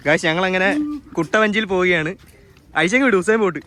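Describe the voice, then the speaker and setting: A man's voice: high voice, quick pace, sharp tone. A young man with a Kerala Malayalam accent, vlogging casually outdoors and mixing English words into his Malayalam as he talks to the camera and his friends. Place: outdoors at a waterside tourist spot. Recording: outdoor crowd and vehicle noise.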